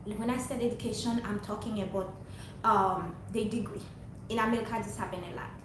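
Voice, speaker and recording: A woman's voice: mid-range voice, fairly even intonation, fairly quick. A young woman from Haiti, talking to her viewers in a rambling, earnest, preachy monologue. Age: young adult. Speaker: vlogger. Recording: very echoey room, distant mic, faint noise.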